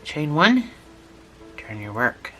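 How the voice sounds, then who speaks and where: A man who has a cold and is losing his voice gives calm, step-by-step crochet instructions. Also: on the high side, slow, soft background music. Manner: calm, repetitive stitch-by-stitch instructions.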